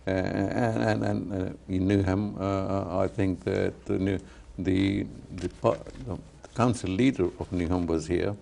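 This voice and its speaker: Low gravelly guy hosting a tv talk show, keeps stopping and restarting, dark tone. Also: fairly even intonation, a little hiss or hum. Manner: halting, many restarts and fillers. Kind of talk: interviewing a guest.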